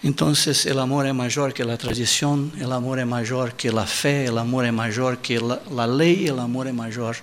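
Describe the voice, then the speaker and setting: A male preacher, a native Portuguese speaker, delivering a sermon in halting Spanish with Portuguese words mixed in, repeating his key line with emphasis and acting out the quoted voices. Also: mid-range voice, steady tone, a little hiss or hum.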